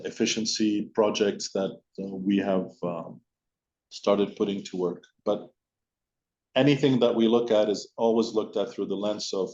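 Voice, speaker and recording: A man speaking as a company executive on an investor call, answering questions in a measured way with pauses. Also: lowish voice, mellow. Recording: dull, lo-fi conference call audio.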